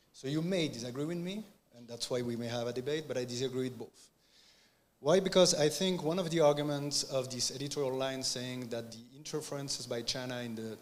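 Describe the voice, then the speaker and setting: A man with a French accent, a native French speaker, giving an argumentative academic talk to an audience. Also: mid-range voice. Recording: clear background room noise.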